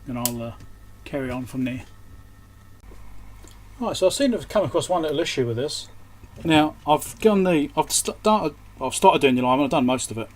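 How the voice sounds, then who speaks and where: Here a male repairer shows off his electronics fix, thinking aloud and muttering as he works at the workbench. His voice sits on the high side, expressive and at a moderate pace, with background noise clearly present.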